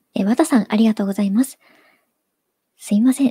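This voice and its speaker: The sound is dry and close, with no echo. A woman speaks at a fairly high pitch, somewhat breathy, with ordinary pitch variation. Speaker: live stream co-host. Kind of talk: casual chat. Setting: live stream, online.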